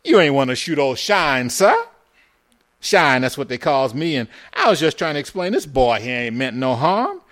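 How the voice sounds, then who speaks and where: A man's voice: medium pitch, big pitch swings, normal speed, a bit bright. A man voicing a smiling, placating Black man who plays humble, with a folksy, ingratiating manner and an American Southern accent. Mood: ingratiating, cajoling.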